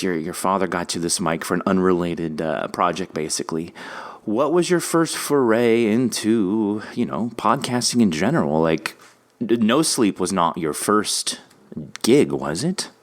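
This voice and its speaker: A man's voice: on the low side, lively intonation, unhurried. A man interviewing as a podcast host, chatty and encouraging, with long rambling questions in casual conversation.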